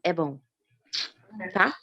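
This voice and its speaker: A woman guest chatting casually about her experience, animated and talkative. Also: drawn-out words, no room sound, muffled recording. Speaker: guest giving testimonial. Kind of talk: casual chat.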